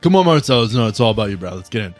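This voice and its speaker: Casting: game master as cocky, friendly male driver, tabletop game. Loud, familiar street slang; music behind. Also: fairly low pitch, big pitch swings, very fast. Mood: boisterous, friendly.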